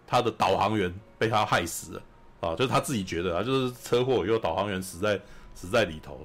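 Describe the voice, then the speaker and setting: A man with a Taiwanese Mandarin accent, hosting a podcast and telling a film's story in an animated, chatty way, often asking "you know?". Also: on the low side. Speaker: podcast host. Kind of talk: casual film recap chat.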